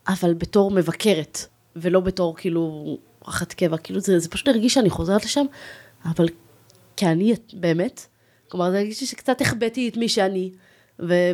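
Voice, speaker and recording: A woman's voice: mid-range voice, darkish tone. A woman in her thirties, a guest on a casual podcast interview, telling her story in an enthusiastic, chatty way. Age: 30s.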